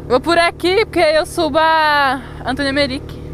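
A woman's voice: sits high, moderate pace. Young woman vlogging from a motorbike. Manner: chatty, exclaiming at traffic, laughing. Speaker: motovlogger. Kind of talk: casual running commentary while riding. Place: outdoors on a motorcycle in city traffic. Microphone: helmet or camera mic while riding. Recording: wind and engine noise from a motorcycle ride. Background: traffic and motorcycle engine noise.

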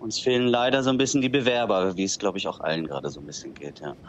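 A man in his thirties from Berlin, raised in northern Germany, talking as a guest in a relaxed interview, often filling with small agreeing words. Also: deep voice, fast, lo-fi sound, slight background noise. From Berlin-Spandau, raised in Dithmarschen. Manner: relaxed, fills with "genau" and "ähm". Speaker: interview guest, bistro owner. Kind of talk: casual interview.

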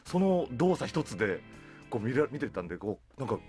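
A man's voice: medium pitch, very animated, brisk, over music. A man hosting a radio show in casual, polite studio chat. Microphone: studio boom microphone.

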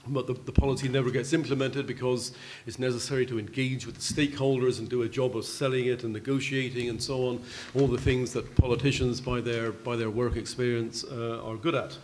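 An older man speaks as an expert at a convention panel, explaining in a measured way with halting restarts. His voice sits at an ordinary middle pitch. He talks into a table microphone in a large hall, with faint noise behind him. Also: flat delivery. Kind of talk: public panel discussion.

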